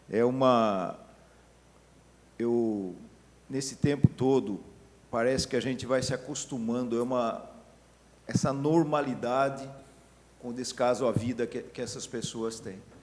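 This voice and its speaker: A man's medium-pitched, fairly even voice at a fairly slow pace, with long, frequent pauses and audible room echo. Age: 60s. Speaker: city councillor. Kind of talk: council session speech.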